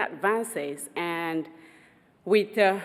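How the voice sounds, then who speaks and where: At a very slow pace, a woman with a non-native accent speaks at a fairly low pitch. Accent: noticeable foreign. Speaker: clinician presenting a patient case. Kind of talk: conference presentation. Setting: symposium stage with audience.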